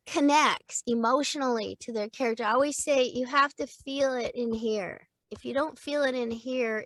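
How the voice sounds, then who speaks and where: A middle-aged woman, a voice actor and acting coach, chatting in an interview in a lively way and laughing easily. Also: fairly high pitch, no room sound. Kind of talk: casual interview chat.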